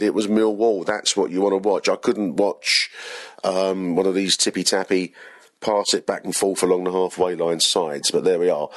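Hoarse, deep-voiced man. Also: no room sound. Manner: chatty, rambling, self-deprecating. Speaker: football podcast host. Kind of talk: casual solo match review.

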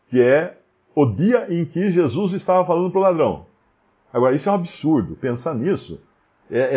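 A man's voice: medium pitch, a little mellow. A man with a Brazilian Portuguese accent giving a Bible study commentary, firing rhetorical questions and often restarting his sentences. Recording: slightly dull lo-fi recording.

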